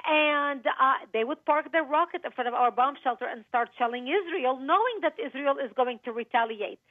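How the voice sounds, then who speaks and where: A woman's voice: sits high, normal speed, no echo. A woman from Lebanon speaking earnestly as a guest in a radio interview over the phone. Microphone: telephone. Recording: tinny phone line.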